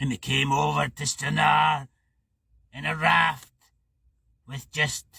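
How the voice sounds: Speaking slowly, a man with a fairly high pitch has a bright, sharp tone, a slightly husky edge, vocal fry and little pitch movement.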